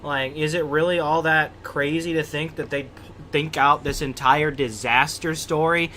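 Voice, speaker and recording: A man's voice: a little high, fairly even intonation, normal speed, bright, forceful tone, slight background noise. A man livestreaming a game with casual, crude and irreverent commentary. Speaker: game streamer.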